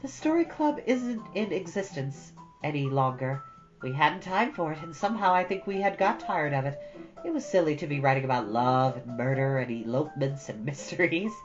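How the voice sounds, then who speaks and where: A woman's voice: sits low, animated, moderate pace. Woman voicing a dreamy, earnest teenage girl. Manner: dreamy, reflective. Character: thoughtful, earnest fifteen-year-old girl in a storybook. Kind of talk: storybook character dialogue. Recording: dull audio over soft guitar music.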